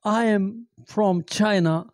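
A middle-aged man giving an amateur language lesson, halting and repeating phrases with many fillers, speaking into a handheld microphone in a small room. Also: sits high, a little mellow, no room sound, studio quality. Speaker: language teacher. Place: small indoor room with green backdrop.

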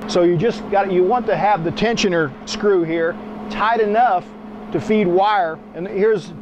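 Unhurried and high-pitched, a middle-aged man teaches welding hands-on in a small workshop, demonstrating at the machine with a blunt, folksy manner. The sound is lo-fi, with noise in the background.

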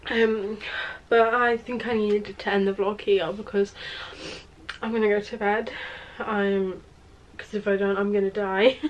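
A young woman talks slowly and wearily into her phone at home, worn out and in pain. Her voice is hoarse, her sentences trail off and restart, and a faint room hum sits behind her. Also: medium pitch, level tone, highs cut off. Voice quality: hoarse morning voice. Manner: tired, halting, with sighs and trailing words. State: in pain and exhausted. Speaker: vlogger. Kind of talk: casual vlog to camera. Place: at home, indoors. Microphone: phone camera held close.

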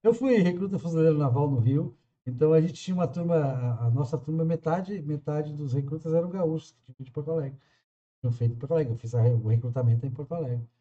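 A man in his forties with a southern Brazilian accent, arguing in a measured, firm way on a video call. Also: on the high side, mellow. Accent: southern Brazilian Portuguese. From Caxias do Sul, southern Brazil. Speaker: channel host. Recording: dull lo-fi call audio.

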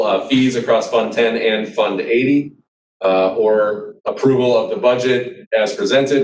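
A man chairing a school board meeting, measured and formal, calling on members and checking his understanding, heard over a video call. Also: lowish voice, darkish tone, a little hiss or hum. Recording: echoey distant video-call audio.

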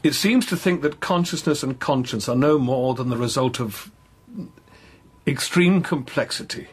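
An actor playing a courteous, doubting Catholic priest investigator in a radio drama, speaking in a measured, hesitant, questioning way. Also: male voice, medium pitch, slightly rough, close to an everyday voice. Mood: troubled, pleading. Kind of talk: naturalistic radio drama acting.

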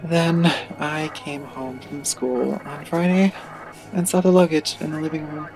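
A woman playing a withdrawn, troubled teenager narrating an audio drama, hesitant and confiding in a creaky voice. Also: deep voice, steady tone, a little slow, darkish tone, faint music behind, poor audio. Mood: subdued, dazed.

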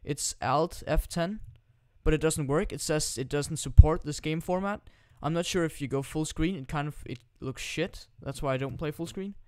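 A Danish teenage boy talks in a forced British accent, loose and joking with plenty of restarts. His voice sits a bit high and comes through smooth and clean. The sound is dry and close to the mic. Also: moderate pace, no echo. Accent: put-on British accent. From Denmark. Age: teens. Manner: rambling, joking and crude, with frequent restarts. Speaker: gaming YouTuber. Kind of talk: casual screen-recording tutorial commentary. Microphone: new desktop microphone.

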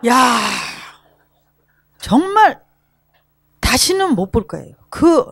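A woman in her sixties giving a personal recovery testimony to a group, telling her story in an emotional, animated way. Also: high voice, slow pace, vocal fry, slightly rough, no room sound, studio quality. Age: 60s. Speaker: program participant giving a testimony.

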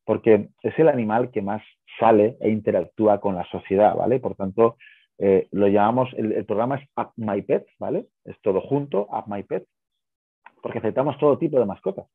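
A man talks on a thin, phone-like video call. His voice sits fairly low and is notably husky, with very little room around it. He explains things conversationally, punctuating them with little checking questions. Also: moderate pace, dry recording. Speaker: guest, pet-business co-founder.

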